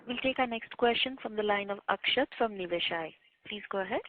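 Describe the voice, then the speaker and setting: A woman's voice: mid-range voice, fairly quick. A woman working as a conference call operator, moderating in a scripted, formal style. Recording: dry, narrow phone line.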